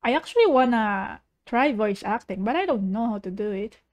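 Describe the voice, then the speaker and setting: A woman's voice: a little high, expressive, moderate pace, a little mellow. A woman streamer chatting casually as she reacts to videos, playful and rambling, with a giggly manner. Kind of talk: casual livestream reaction chat. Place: living room.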